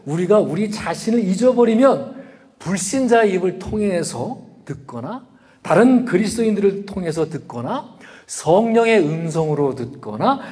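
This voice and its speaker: Inside a church sanctuary, a middle-aged male pastor delivers a sermon in a high, darkish voice, speaking conversationally and posing rhetorical questions to his listeners. The recording carries the long reverb of a church hall.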